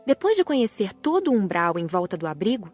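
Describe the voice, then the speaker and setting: A woman's voice: mid-range voice, big pitch swings, a little fast, a little mellow, faint music behind. A woman with a Brazilian accent reading scripted audiobook narration.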